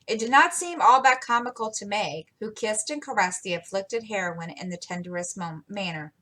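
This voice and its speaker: Woman calmly reading a classic aloud. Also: medium pitch, normal speed. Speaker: storyteller.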